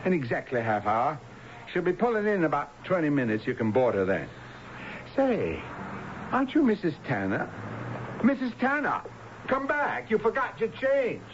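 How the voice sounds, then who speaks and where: Lively, folksy ticket clerk. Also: male voice, a little high, normal speed. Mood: helpful. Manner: folksy, courteous. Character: friendly, helpful small-town bus ticket clerk. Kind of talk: old-time radio drama acting. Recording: dull, noisy old radio broadcast.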